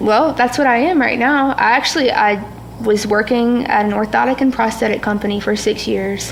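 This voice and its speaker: With a Louisiana accent, a woman speaks at a moderate pace and very even loudness, her fairly high pitch showing ordinary pitch variation over noticeable background noise. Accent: Louisiana country. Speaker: singer-songwriter. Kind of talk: casual interview chat.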